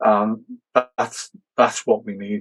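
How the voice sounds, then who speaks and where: The man's voice sits fairly low. The sound is dry and close, with no echo. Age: 60s. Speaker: fraud investigator. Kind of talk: podcast interview.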